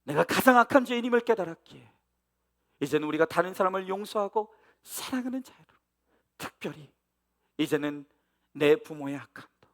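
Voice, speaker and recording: A man's voice: high-pitched, expressive, moderate pace, pauses often. A male pastor preaching and leading a spoken prayer in church, with a repetitive, pleading cadence. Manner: hushed, quiet prayer. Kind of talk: sermon and fervent spoken prayer. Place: church sanctuary. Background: music.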